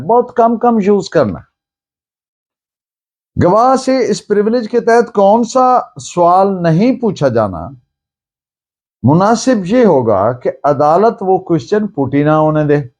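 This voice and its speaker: A man with a Pakistani accent giving a formal law lecture, deliberate and emphatic, restating points as he reads out and explains. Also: a little high, a little mellow. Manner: deliberate, emphatic, repeating points in Urdu and English. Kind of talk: formal lecture, reading out and explaining legal text.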